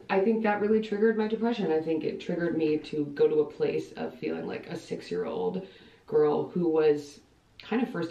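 Twenties woman vlogging in her bathroom, lots of fry, rambly "like" talk, camera kinda far off so it's echoey. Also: deep voice, warm tone. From Ohio, United States. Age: 20s. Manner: chatty and rambling, frequent filler "like". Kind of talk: casual vlog chat to camera. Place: small bathroom, indoors. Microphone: camera mic a few feet away. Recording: echoey bathroom, distant dull camera audio.

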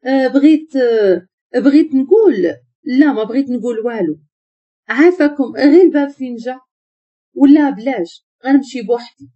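A woman with a Moroccan accent voicing a frightened young woman psychiatrist, pleading through tears in a husky voice. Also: high voice, fairly quick, natural voice. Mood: flustered. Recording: muffled lo-fi recording.

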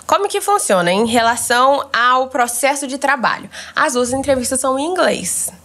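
A woman's voice: high-pitched, lively intonation, normal speed, a bit bright. Chatty young Brazilian woman, podcast guest. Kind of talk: casual podcast chat. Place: small podcast studio. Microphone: boom mic on desk arm.

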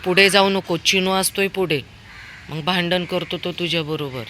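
Dog-owner vlogger, woman, chatty and affectionately scolding, bright tone, phone mic. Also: fairly low pitch, steady tone, normal speed, slight background noise. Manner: chatty, fondly scolding and coaxing her dog. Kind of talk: casual pet vlog commentary. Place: outdoors on a walk, later at home.

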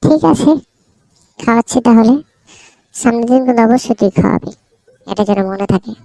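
A woman's voice: a little high, fairly quick, vocal fry, mellow, no room sound, low-quality recording. A woman voicing a teasing, bossy but caring cartoon friend in a casual, familiar, nudging way. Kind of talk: cartoon dialogue.

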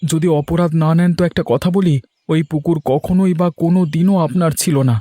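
A man's voice: a little high, fairly even intonation, fairly quick, mellow, dry recording, voice pushed up, natural voice. A man voicing a poor village man who stands up to the headman, polite at first but stubborn. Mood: defiant. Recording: faint music behind.

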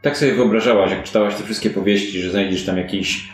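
Man, game master, deep-ish voice, halting improvised narration, conversational, echoey room. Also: steady tone, soft background music. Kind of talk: improvised narration of a fantasy detective tabletop game. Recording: roomy echo, audible background noise.

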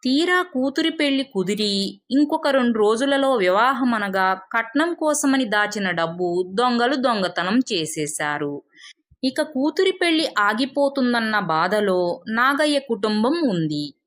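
A woman's voice: fairly high pitch, expressive, unhurried, fairly bright tone. A woman narrating a scripted moral folk tale as a storyteller.

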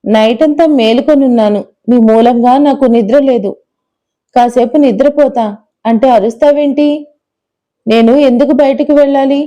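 A woman's voice: fairly high pitch, moderate pace, warm tone, highs cut off, lightly acted. A woman voicing an arrogant, irritable young man in an audio storybook, talking brusquely and scolding. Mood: irritated.

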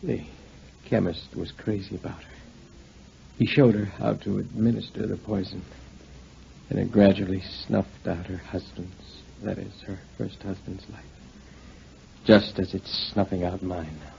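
A man playing a weary, dying husband with halting, resigned speech in a 1940s radio play. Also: deep voice, fairly even intonation, vocal fry, darkish tone, full character voice. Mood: grim. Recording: dull, noisy 1940s radio recording.

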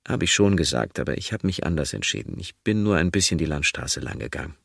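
A man reading an audiobook, voicing a quiet, withdrawn man who answers hesitantly. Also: rumbling low, big pitch swings, quick pace, creaky, husky, dry recording, studio quality, heavily acted. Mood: subdued.

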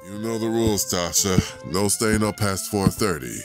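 Man voicing deep, gentle werewolf doctor. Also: normal speed, music in the background, natural voice. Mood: fatherly. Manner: tender, polite, soft-spoken storyteller. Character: gentle, courteous adult male werewolf doctor and father. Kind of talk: audio drama acting.

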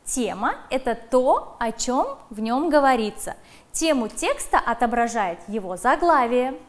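Lively high-voiced woman teaching children. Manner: slow, emphatic dictation of words; addresses children directly. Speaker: primary school teacher. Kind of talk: televised classroom lesson.

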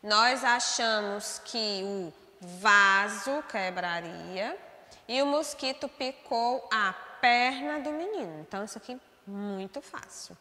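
A woman's voice: mid-range voice, slow pace, bright, forceful tone, big-room sound. A woman teacher explaining a lesson step by step, often checking in with her pupils as she goes through the slides. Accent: Brazilian Portuguese. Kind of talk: remote class lesson over shared slides.

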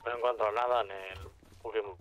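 A man's voice: lowish voice, fairly even intonation, brisk, fairly bright tone. A man chatting casually with his group during an online roleplay game. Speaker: gamer playing in a roleplay group.

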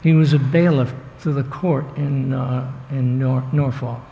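A man speaking on a panel discussion in an auditorium, thoughtful and halting, with restarts. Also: medium pitch, steady tone, vocal fry, a little hiss or hum. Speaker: panelist, author. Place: auditorium stage before an audience. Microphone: table microphone. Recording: roomy hall, muffled sound, faint ambience.

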